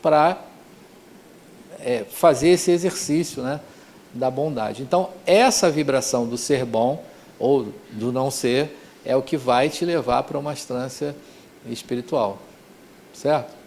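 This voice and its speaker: A man's voice: mid-range voice, measured pace, pauses often, darkish tone, slight background noise. A man giving an informal spiritual lecture, talking conversationally with frequent tag questions and restarts. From Rio de Janeiro, Brazil. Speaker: course teacher.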